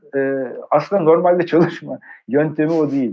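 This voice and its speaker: Here is a man with a plain, everyday voice, fairly high in pitch. He talks at a moderate pace with ordinary pitch variation. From Turkey, Adana. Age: 50s. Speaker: sociologist, writer and journalist. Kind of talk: casual chat.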